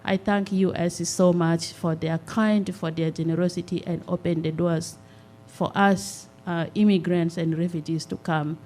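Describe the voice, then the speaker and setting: A middle-aged woman from South Sudan speaks in an unhurried, earnest and measured way, pausing often on "uh". Her voice has a mellow, soft tone. She addresses a town hall meeting through a handheld microphone. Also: fairly low pitch, steady tone, slight background noise. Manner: earnest, measured, with many "uh" pauses. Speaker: community nonprofit representative. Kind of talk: town hall public comment.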